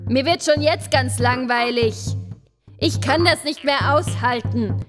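A woman's voice: sits high, takes it slowly, over music. An actress playing a greedy, demanding fisherman's wife in a radio play, bossy and insistent. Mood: imperious. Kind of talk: German radio play acting.

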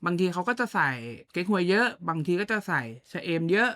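A woman's voice: on the low side, brisk, a bit bright. A woman co-hosting a podcast, chatting casually with blunt, slangy banter and playful comparisons. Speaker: podcast co-host. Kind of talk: casual chat.

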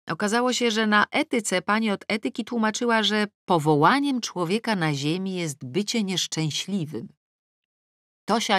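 Low-voiced woman narrating with wry irony. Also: fairly bright tone, no echo, studio quality. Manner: wry, dryly ironic storytelling with long lists. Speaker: audiobook narrator. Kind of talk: scripted first-person novel narration.

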